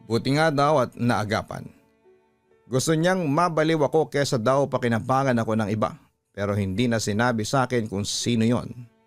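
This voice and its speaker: A man's voice: mid-range voice, moderate pace, soft background music. A man with a Filipino accent, a radio host reading a listener's letter as a dramatic first-person story.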